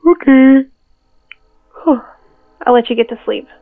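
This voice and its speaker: An actress as a high-voiced curious friend on the phone. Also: female voice, slow, no room sound. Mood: keen, helpful. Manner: casual, conversational, playful. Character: amused, curious female friend helping a man investigate. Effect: phone call filter. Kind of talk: naturalistic audio drama dialogue. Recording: tinny, band-limited phone line.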